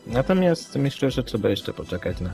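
A man's voice: mid-range voice, sing-song, normal speed, creaky. A man co-hosting a podcast, giving commentary in wordy, reflective sentences. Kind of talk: unscripted news commentary. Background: music playing under the voice.

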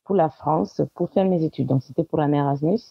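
A woman's voice: low voice, a little fast, creaky, breathy edge, no room sound, muffled recording. A woman in her thirties, a guest in an interview, talking casually with frequent small laughs and hesitations. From Italy. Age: 30s. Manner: warm, laughs often, many hesitations.

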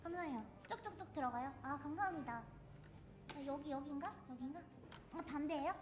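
A woman streamer giving live gameplay commentary, excitably and playfully shouting threats at the game, with game music behind her. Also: high-pitched, brisk, noisy background. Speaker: VTuber streamer.

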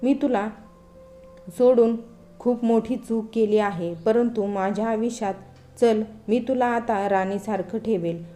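A woman storyteller reading the lines of a regretful husband who pleads for forgiveness, in her own mellow voice. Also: high voice, fairly even intonation, measured pace, faint music behind. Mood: pleading. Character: remorseful husband begging forgiveness.

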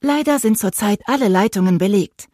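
A woman voicing a relentlessly friendly female automated phone voice, polite, measured and unflappable. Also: mid-range voice, warm tone, dry recording, studio quality, voice pushed up, lightly acted. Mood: politely robotic.

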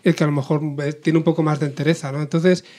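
Fast-talking man, candid. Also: on the high side, fairly even intonation, a little mellow. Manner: candid, rambling, frequent restarts. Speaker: company co-founder. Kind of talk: emotional podcast conversation.

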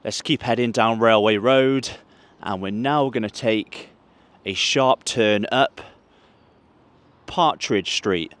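A man's voice: fairly low pitch, slow pace, long pauses, a bit bright. A man, walking city streets and chatting to viewers in a football travel vlog, holding a mic. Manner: chatty, addresses viewers as guys. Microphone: handheld mic, camera at arm's length.

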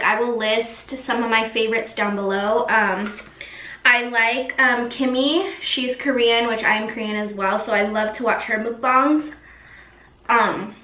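A woman's voice: fairly high pitch, pushed and bright, far from the mic. A young woman chatting casually in a mukbang eating vlog, filling her talk with ums and likes while she eats. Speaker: vlogger. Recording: echoey room, voice off-mic.

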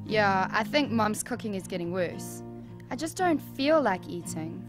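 A woman's voice: mid-range voice, expressive, unhurried, lightly acted. A woman playing a troubled, hesitant young boy in an audio drama, with guitar music behind. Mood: anxious, reluctant.

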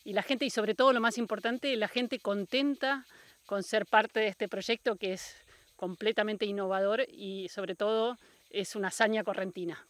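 A woman's voice: medium pitch, no room sound. A woman with an Argentine accent explaining conservation work in an unscripted documentary interview. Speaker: conservation project worker being interviewed.

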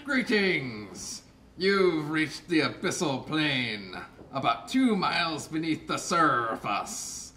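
Man voicing a bright, bouncy barnacle puppet, slow lively delivery, distant mic. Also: on the high side, full character voice. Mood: jolly. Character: boastful deep-sea barnacle, cheery filter feeder. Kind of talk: live puppet show. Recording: distant mic with faint noise.

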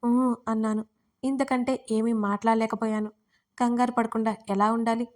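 Woman reading a first-person audio story, earnest and emotional, voice on the high side. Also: flat delivery, normal speed. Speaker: storyteller and narrator.

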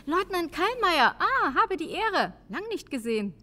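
An actress playing a tired, brisk forensic pathologist in a crime radio drama, speaking precisely and matter-of-factly. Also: female voice, very high-pitched, sing-song, bright, forceful tone, exaggerated voice. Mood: breezy, teasing.

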